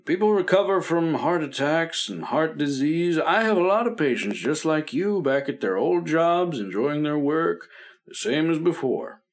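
A reassuring radio-drama doctor, gently firm with his patient; voice a touch high. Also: animated, measured pace. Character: calm reassuring male family doctor. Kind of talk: 1950s radio drama acting.

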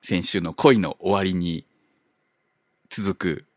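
A man hosting a casual chat, relaxed and joking, with chuckles between his remarks. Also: sits low, slow pace, no room sound, studio quality. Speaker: podcast host.

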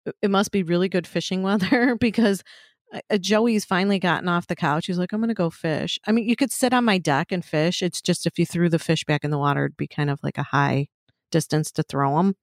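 A woman co-hosting a podcast in casual chat, rambling and profane, laughing often, a little hoarse from allergies. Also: lowish voice, a little fast, dry recording, studio quality. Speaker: podcast co-host.

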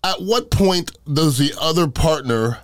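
A man's voice: a little high, lively intonation, unhurried. A middle-aged man chatting casually and telling comic stories, blunt and emphatic, often repeating himself to drive a point home. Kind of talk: casual comic chat and storytelling.

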